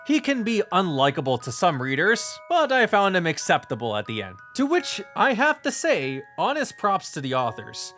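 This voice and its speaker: Lively, higher-pitched man narrating a review. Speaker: video essayist. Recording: background music under voice. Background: music.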